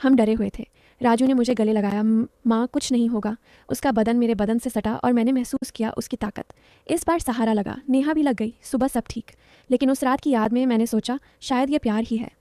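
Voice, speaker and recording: A woman's voice: on the high side, fairly even intonation, a little fast, dark tone, no room sound, clean studio sound. A woman narrating a story in the first person, in a confiding, dramatic way.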